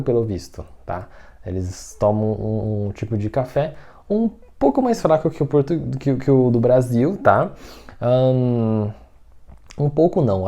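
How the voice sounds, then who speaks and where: Man, language teacher, slow unhurried delivery, mellow tone, lively rising and falling pitch, patient, repeats words. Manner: patient, repeats each word, frequent check-ins. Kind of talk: online language lesson.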